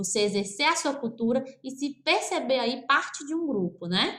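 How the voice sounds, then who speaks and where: With a regional Brazilian accent, a woman speaks at a moderate pace with lively intonation. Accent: noticeable regional Brazilian. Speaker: school teacher. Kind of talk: online lesson for children. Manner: friendly, conversational.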